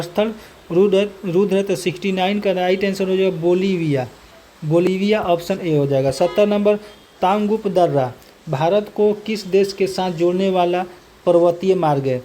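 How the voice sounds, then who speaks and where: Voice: medium pitch, mellow, a little hiss or hum. A coaching teacher working through a multiple-choice test, reading each question twice and then announcing the answer and option in the same set phrase. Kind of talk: reading and solving quiz questions.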